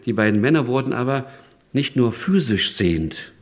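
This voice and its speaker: A man preaching a sermon, lively and emphatic, often rising sharply in pitch and loudness. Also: normal speed.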